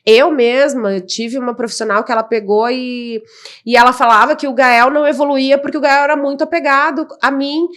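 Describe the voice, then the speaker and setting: On a podcast, a Brazilian mother of an autistic child tells her story bluntly and with passion, in a Brazilian Portuguese accent. Her voice sits high and a bit bright, brisk, with fairly even intonation.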